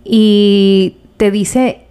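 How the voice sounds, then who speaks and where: Brief: bilingual woman co-host, lively storyteller, casual. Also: medium pitch, drawn-out words, clean tone. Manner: switches between Spanish and English, animated storytelling. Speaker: podcast co-host.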